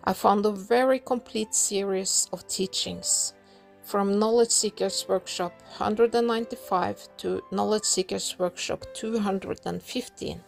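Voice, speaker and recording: A woman with a Norwegian accent speaks English in an earnest, measured way, as if reading a prepared talk. Her mid-pitched voice has a gravelly fry, and faint music plays underneath. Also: fairly even intonation. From Norway. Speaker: council member giving a talk. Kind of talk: prepared talk, read aloud.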